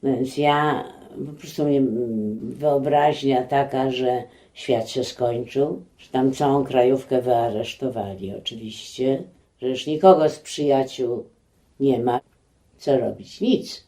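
An older woman giving a spontaneous, conversational oral history recollection, halting at times and livelier when she quotes people. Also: rumbling low, mellow. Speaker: eyewitness recalling personal memories.

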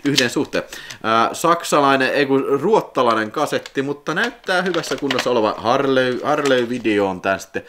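A man with a Finnish accent chatting casually as he unboxes videotapes in his vlog, excitable and prone to sudden high whoops. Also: slight background noise. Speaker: video collector vlogger.

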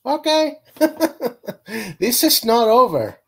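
A flustered gay customer w/ slight hispanic accent, talks slow and trails off. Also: male voice, very high-pitched, sing-song, gravelly, fairly bright tone, slightly rough, full character voice. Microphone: video call.

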